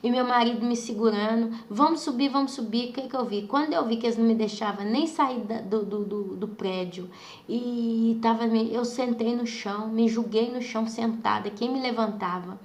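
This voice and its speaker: A woman's voice: on the high side, fairly even intonation, normal speed, darkish tone. A woman giving an emotional testimony to a congregation, repeating phrases and calling on her listeners. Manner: repeats phrases, often calls the listeners "brothers". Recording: roomy echo.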